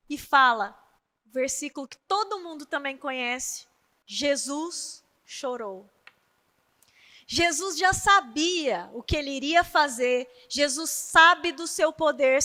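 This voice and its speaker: A woman's voice: high-pitched, pushed and bright, long reverb tail. A woman preaching a sermon at a women's meeting in a church. She tells the story animatedly and acts out the quoted voices. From Brazil. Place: church hall.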